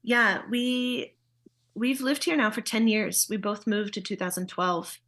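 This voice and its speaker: Woman, early 30s, mid-pitched, steady matter-of-fact interview guest. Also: a little slow. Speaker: missionary guest. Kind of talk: conversational interview.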